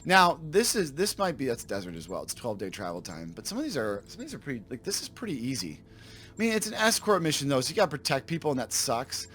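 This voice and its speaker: A man with a slightly raspy voice from a sore throat, casually commenting on his game for viewers and thinking aloud as he corrects himself. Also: medium pitch, wildly swooping pitch, fast talker, a bit bright, a little hiss or hum. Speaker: let's play host.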